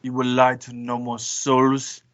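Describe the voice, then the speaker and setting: Man, forceful bright tone, slow delivery, tabletop game player, in-character roleplay. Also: medium pitch, completely flat delivery.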